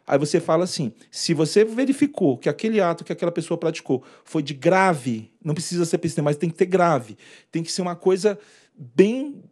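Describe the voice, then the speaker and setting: Man, lecturer, informal presentation, animated, acts out dialogue, fairly high voice. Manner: animated, acts out quoted dialogue, points at slides. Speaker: lecturer on workplace harassment law.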